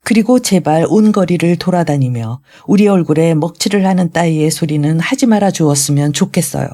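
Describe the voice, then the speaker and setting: A bitter young son loses his temper and lashes back at his father in a storybook reading. The voice is mellow and dark in tone at a middle pitch, as a reader acts him out. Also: a little fast, lightly acted. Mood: exasperated. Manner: bitter, raised voice.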